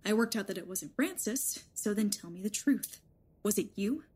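A woman's voice: mid-range voice, expressive, normal speed, a little mellow, breathy edge. An actress in an audio drama playing a rejuvenated mother in a young woman's body, sardonic and defiant. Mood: bitter, challenging. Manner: sardonic, pointed.

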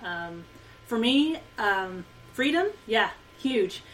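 A woman's voice: medium pitch, animated, takes it slowly, fairly bright tone. A woman from Costa Rica, an author and speaker, talking as an interview guest with frequent hesitations. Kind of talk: casual interview. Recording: mic at a distance, faint noise.

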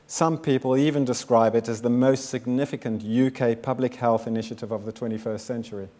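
Man, 50s, from South Africa; founder's keynote, measured and sincere, middle-pitched. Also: mellow. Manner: measured, earnest, builds with repeated phrases. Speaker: founder giving a talk. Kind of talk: prepared speech to an audience.

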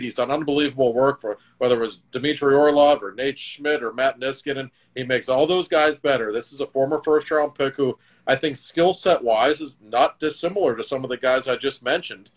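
A middle-aged man in a casual hockey talk show, telling stories with lively, emphatic swings in his voice. His delivery is loose and conversational, punctuated by quick bursts of emphasis. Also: medium pitch.

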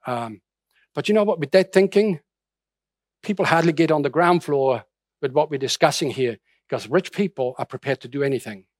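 A man's voice: fairly high pitch, brisk, no echo, clean studio sound. A middle-aged man from Austria preaching a sermon in a conversational way, with many restarts and fillers. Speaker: pastor.

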